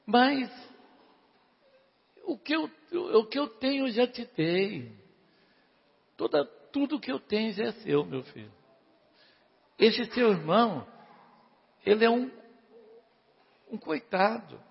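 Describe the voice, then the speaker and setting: A man preaching a sermon, animated, questioning his congregation and urging them to answer louder. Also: very high-pitched, takes it slowly, gravelly, long pauses, husky, in a large hall, muffled recording. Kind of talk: sermon retelling a parable.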